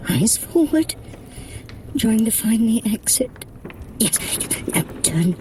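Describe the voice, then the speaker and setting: A woman's voice: a little high, big pitch swings, takes it slowly, noisy background. A woman playing a sly, haughty trickster deity in an audio adventure workout, with an arch, droll, condescending delivery. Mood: arch, commanding. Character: sly, haughty trickster deity guiding a mortal through a heist. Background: music.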